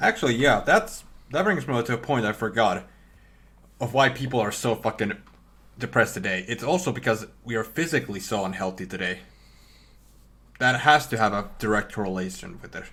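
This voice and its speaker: A man with a non-native accent speaks at a fairly quick pace, in a bright, sharp tone with lively intonation. He takes long, frequent pauses. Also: medium pitch for a man. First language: not English. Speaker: podcast co-host. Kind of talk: casual chat.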